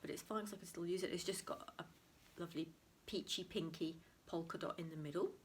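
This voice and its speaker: A woman's voice: fairly low pitch, a little fast. A woman, chatting casually to camera about her crafts, slightly nasal from a cold and often half-whispering. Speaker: crafting vlogger. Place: home room beside a window, heavy rain outside. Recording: faint rain noise.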